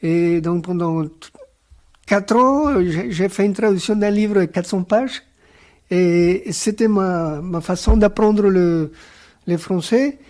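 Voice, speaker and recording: A man whose first language is Spanish, speaking on a round-table panel as a guest author, thoughtful and hesitant with many pauses and fillers. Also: high voice, darkish tone. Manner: reflective, philosophical.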